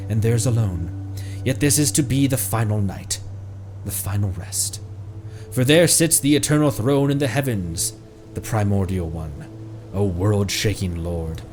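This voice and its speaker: Animated man streaming a video game. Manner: expressive, jumps into high-pitched exclamations. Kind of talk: casual game commentary, reading in-game text aloud.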